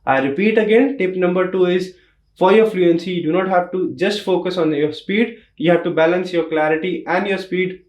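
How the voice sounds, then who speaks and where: A man's voice: high voice, normal speed, darkish tone, roomy sound. A young man with an Indian accent teaching exam tips in an emphatic tutorial style, repeating key points. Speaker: test prep teacher. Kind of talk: instructional tutorial.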